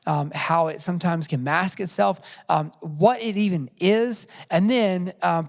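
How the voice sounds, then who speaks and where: A man's voice: on the high side, creaky, long reverb tail. A man hosting a podcast, talking casually with lots of fillers and restarts. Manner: friendly, rambling with many fillers. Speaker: podcast host.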